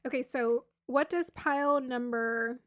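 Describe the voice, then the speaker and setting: Bubbly woman reading tarot, slightly hoarse. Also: sits high, fairly even intonation, measured pace, no echo. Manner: chatty, bubbly, laughs often, trails off and restarts. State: losing her voice. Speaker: tarot reader. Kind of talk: casual tarot reading to camera.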